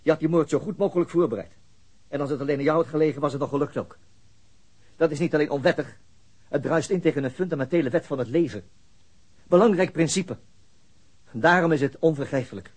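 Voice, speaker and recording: A man's voice: fairly high pitch, fast, pauses often, darkish tone, husky. A man playing a cold, curt police detective. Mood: stern. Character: stern male police detective, cool and controlled. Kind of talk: radio drama acting.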